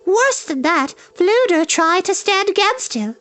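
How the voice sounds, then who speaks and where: A reader voicing a bold, spirited young princess who speaks quickly and indignantly. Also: very high-pitched, big pitch swings, sharp tone, pitched above the performer's own voice, full character voice. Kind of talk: audiobook character voice.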